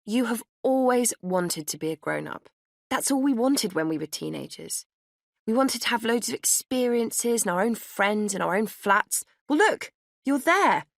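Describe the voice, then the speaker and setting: A woman's voice: fairly high pitch, animated, moderate pace, gravelly, no echo, studio quality, voice pushed up. Woman playing an upbeat encouraging friend. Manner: earnest pep-talk delivery.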